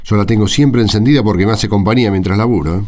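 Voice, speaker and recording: Man playing a fast, low-voiced Argentine mechanic. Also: a little mellow, close to an everyday voice. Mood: friendly, relaxed. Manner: colloquial, tags questions with "eh". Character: friendly, easygoing working mechanic, a young father. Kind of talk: colloquial radio drama dialogue.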